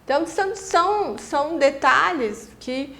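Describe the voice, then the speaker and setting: A Brazilian woman, Portuguese being her first language, explains Spanish pronunciation in a recorded distance-learning lesson, full of fillers and restarts. Her high-pitched voice is animated, creaky and sharp, a little slow, with a Brazilian Portuguese accent and slight background noise.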